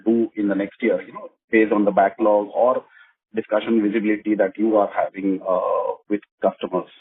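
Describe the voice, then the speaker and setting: A man's voice: lowish voice, level tone, moderate pace, husky. An Indian man speaking as an analyst, politely and somewhat tentatively asking questions on an earnings call. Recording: muffled, narrow phone line.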